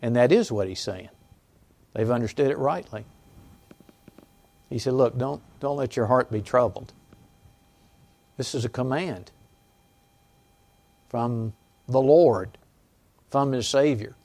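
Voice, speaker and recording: Halting conversational male pastor preaching. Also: mid-range voice, a little mellow. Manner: conversational, halting with restarts and asides to the congregation; chuckles between points. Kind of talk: sermon. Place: church sanctuary.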